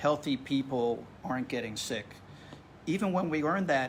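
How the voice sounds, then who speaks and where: At a fairly quick pace, a man talks in an ordinary speaking voice with a fairly high pitch. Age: 60s. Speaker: doctor / epidemic expert. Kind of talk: interview.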